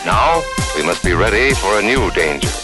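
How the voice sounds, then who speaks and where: American man, grave civil defense broadcast narration, 1950s film, low pitch, earnest instructor, music behind. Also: animated, normal speed. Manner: earnest, instructive, addressing children.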